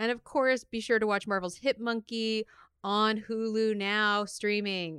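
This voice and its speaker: Speaking at a fairly slow pace, a woman uses an animated tone and a fairly high pitch. The recording is very clean, with a silent background. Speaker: podcast co-host. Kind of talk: casual chat.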